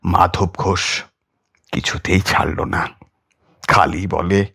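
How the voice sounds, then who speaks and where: A man's voice: sits low, steady tone, slow, gravelly, sharp tone, slightly rough. A man narrating a horror audiobook in a theatrical, suspenseful manner. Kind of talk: dramatic scripted horror story narration. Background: music.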